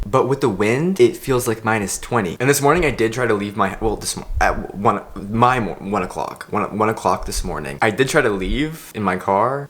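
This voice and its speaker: Male book vlogger, lowish voice, informal and rambling, loose-tongued and repetitive. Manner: hesitant, repeats words and phrases while thinking aloud; casually sweary. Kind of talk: casual rambling vlog chat.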